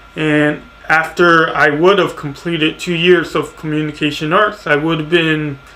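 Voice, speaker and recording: The man's pitch is fairly high, and he speaks at a fairly slow pace. Noticeable background noise is present. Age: 40s. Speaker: vlogger. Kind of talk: casual monologue vlog. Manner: halting.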